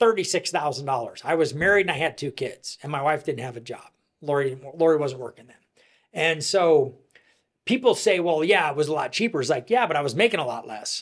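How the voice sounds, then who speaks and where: A man with a fairly high pitch and an ordinary speaking voice talks at a moderate pace, his intonation lively and his loudness swinging widely. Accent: American. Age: 60s. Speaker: podcast host and mortgage professional. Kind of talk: casual monologue.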